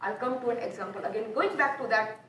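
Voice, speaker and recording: A woman in her thirties with an Indian accent, giving an animated motivational talk on a large auditorium stage and often asking the audience "right or wrong?". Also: on the high side, fast talker, far from the mic, a little hiss or hum. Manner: animated, asks the audience questions, repeats words. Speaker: motivational speaker. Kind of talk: live conference talk. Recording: echoey hall, heard from off.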